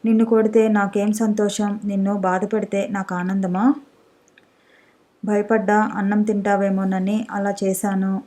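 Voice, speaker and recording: A woman's voice: medium pitch, flat delivery, a little slow, mellow, lightly acted. A woman voicing a remorseful young husband. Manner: pleading, self-reproaching. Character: troubled young husband, quick-tempered yet remorseful.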